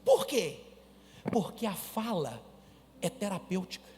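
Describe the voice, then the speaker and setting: A man preaching a sermon as a pastor, emphatic and calling the congregation to repeat and shout. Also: sits high, very animated, unhurried, big-room sound, a little hiss or hum.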